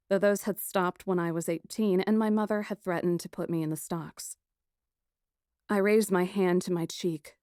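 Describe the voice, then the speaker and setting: A woman reads fiction as an audiobook narrator. Her voice sits a little low, with expressive, dramatic first-person storytelling. The recording is dry and close. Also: dry recording.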